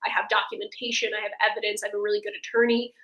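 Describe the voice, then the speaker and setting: A woman's voice: medium pitch, flat delivery, rapid-fire, pushed and bright. A woman speaking as an immigration attorney, explaining legal steps conversationally, point by point, in a question-and-answer session. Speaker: immigration attorney, guest expert.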